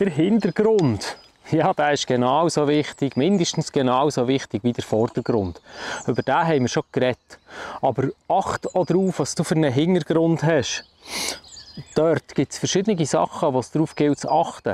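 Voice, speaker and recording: Lively intonation and a Swiss accent mark this speech with long, frequent pauses, recorded dry and close with no echo over noticeable background noise. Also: man, fairly high pitch for a man, moderate pace. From Switzerland. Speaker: photographer. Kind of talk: photography tutorial talk to camera. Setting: outdoors in a forest. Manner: casual, friendly.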